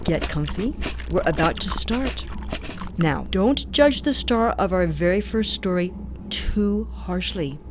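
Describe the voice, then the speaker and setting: A woman's voice: fairly low pitch, expressive, noisy background. A woman playing an old grandmotherly hostess who tells spooky stories in a radio play, theatrical, doting and sinister. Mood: sweetly menacing. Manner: theatrical, drawn-out, cooing.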